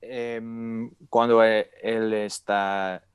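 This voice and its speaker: A young man, a native English speaker, works his way slowly through Spanish, stopping often to hunt for the right word. His voice is smooth and clear, recorded dry and close through an earphone mic on a video call. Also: fairly low pitch, little pitch movement, dry recording. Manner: hesitant, searching for words, many fillers; gestures while talking. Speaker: guest. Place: room with curtain, indoors.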